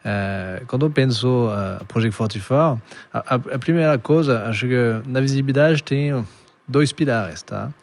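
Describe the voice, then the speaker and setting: A man speaks as a podcast guest. He explains things in a slow, halting way. His talk is full of fillers and restarts. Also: medium pitch, a little mellow. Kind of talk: casual podcast conversation.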